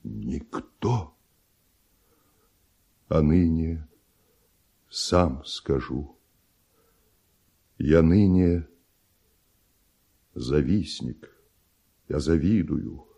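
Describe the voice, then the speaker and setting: An actor delivers a theatrical verse monologue for a radio drama as a proud, bitterly envious middle-aged composer, moving from indignation to an anguished confession. His full character voice is extremely low, mellow, and husky, solemn and declamatory, with weighty pauses.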